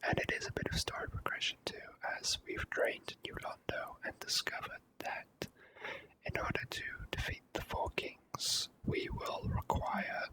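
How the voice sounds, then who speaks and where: Slow, whispering game commentator. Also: low-quality recording. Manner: hushed, gentle, slow and unhurried. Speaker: video game player and host. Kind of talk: whispered ASMR gameplay commentary.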